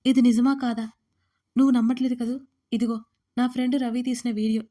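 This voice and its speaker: A woman's voice: a little high, flat delivery, brisk, mellow, close to an everyday voice. A woman voicing a young man who pleads desperately and tearfully with the woman he loves, in an audio story. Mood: accusing.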